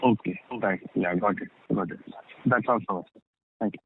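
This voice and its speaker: Halting Indian man on a phone line. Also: lowish voice, breathy edge. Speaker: analyst asking questions. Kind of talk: earnings call questioning. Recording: dry narrow phone line.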